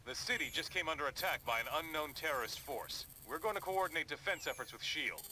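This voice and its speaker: Bright, forceful hero team leader. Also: male voice, on the high side, expressive, a little hiss or hum, low-quality recording. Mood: urgent, resolute. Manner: brisk briefing, authoritative. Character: commanding male superhero team leader, earnest and resolute. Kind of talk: video game cutscene acting.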